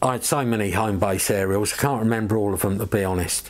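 A man's fairly low pitch and fairly even intonation, an unremarkable speaking voice. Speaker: radio hobbyist. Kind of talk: casual vlog chat. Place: home room.

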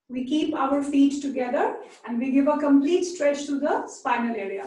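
A woman's high, soothing, gentle voice at a fairly slow pace, with audible room echo. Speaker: yoga instructor. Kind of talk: guided yoga class, calm step-by-step instructions. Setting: video call. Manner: soothing, slow, gentle, encouraging, with short commands and pauses for breath. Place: hall. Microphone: video call.

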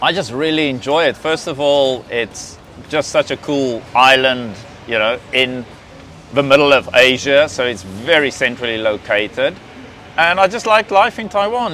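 Lively intonation marks this man's speech at a moderate pace. The sound is dry with no echo, over light background noise. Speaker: interviewee. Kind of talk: interview answer. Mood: warm, cheerful. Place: street. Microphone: lapel.

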